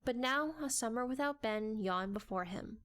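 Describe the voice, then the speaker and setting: A woman's voice: on the high side, moderate pace, fairly bright tone. A woman reading scripted story narration in a dramatic audiobook style.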